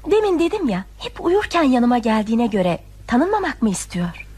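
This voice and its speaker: An actress in an old radio drama, playing a gentle, curious young woman in a hospital bed. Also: a little high, sing-song, moderate pace, slightly rough. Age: young adult. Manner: soft and hesitant, eager questions.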